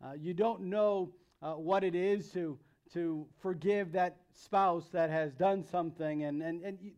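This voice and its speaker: High-voiced American man preaching to youth. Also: a little mellow. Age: 30s. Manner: conversational, emphatic, repeats phrases for emphasis. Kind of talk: sermon to young people.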